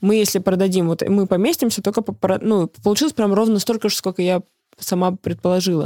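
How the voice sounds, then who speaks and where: A woman in a normal speaking voice at medium pitch, with ordinary pitch variation, very even loudness, a fairly quick pace and a dry, close sound with no echo. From North Ossetia, Russia. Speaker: musician and music producer. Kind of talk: casual interview chat. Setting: studio.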